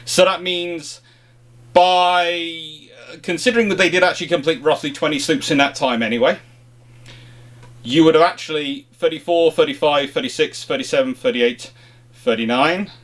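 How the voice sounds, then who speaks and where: A man's voice: fairly high pitch, a bit bright. A man hosting an informal question-and-answer chat, explaining things off the cuff and often rephrasing mid-thought. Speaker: host of a history question-and-answer show.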